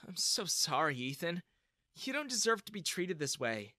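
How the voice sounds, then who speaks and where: A storyteller voicing a kind, outspoken young woman who speaks up for a friend, in a high put-on voice. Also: sing-song, unhurried, pushed and bright, no room sound. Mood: tender. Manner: earnest, outspoken.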